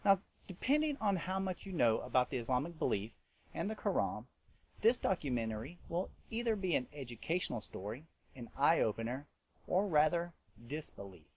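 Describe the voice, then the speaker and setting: A man's voice: on the high side, very animated, normal speed, darkish tone. Earnest man hosting a talk show. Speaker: host. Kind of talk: scripted introduction and interview.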